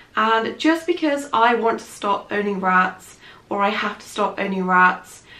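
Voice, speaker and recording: The recording carries audible room echo. The speaker is a woman. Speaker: pet vlogger. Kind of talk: casual vlog chat. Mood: warm, slightly wistful. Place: home room.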